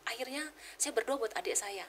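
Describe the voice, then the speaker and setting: Fast, animated woman telling a testimony. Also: on the high side, slight background noise. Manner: animated storyteller, acts out quoted voices. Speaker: guest sharing testimony. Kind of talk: emotional personal testimony.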